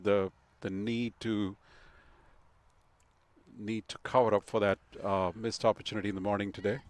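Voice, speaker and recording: A man giving live cricket commentary in a measured, analytical way, sometimes pausing with fillers. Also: on the low side, level tone.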